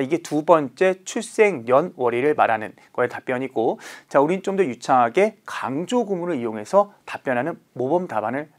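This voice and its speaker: A male Chinese language teacher giving a recorded online lecture, often checking in with students through quick rhetorical questions and slowing down to spell out pronunciation. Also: on the high side. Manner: slows down to spell out pronunciation and numbers.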